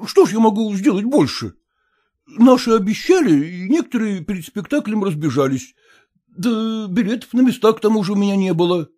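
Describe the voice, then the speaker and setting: A man's voice: high voice, lively intonation, brisk, mellow, pitched above the performer's own voice. A man voicing a middle-aged actor who earnestly soothes his upset wife. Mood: defensive.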